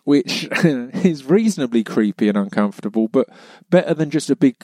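A man's voice: medium pitch, expressive, moderate pace, a little mellow, no room sound. A British man hosting a podcast, chatting casually in a rambling, self-deprecating way. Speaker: podcast host. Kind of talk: casual chat.

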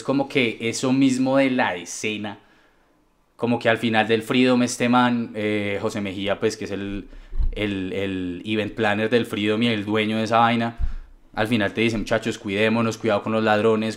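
Relaxed low-voiced Colombian man. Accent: Colombian Spanish. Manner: relaxed storytelling with frequent fillers. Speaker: guest DJ. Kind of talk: casual conversational interview.

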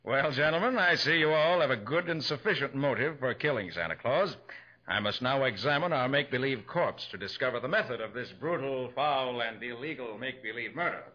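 Confident, cool-headed detective in a radio play. Bright, animated delivery, dull vintage recording. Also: male voice, mid-range voice, a little fast. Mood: grave, brisk. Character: sharp, confident male private detective, calm under pressure. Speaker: lead actor. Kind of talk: 1940s radio drama acting.

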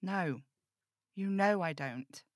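A woman's voice: fairly low pitch, slow pace, dry recording, studio quality. Woman acting a wry, brooding radio host. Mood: subdued, curt. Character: snarky, weary supernatural radio host, woman, embodiment of death. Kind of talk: audio drama table read.

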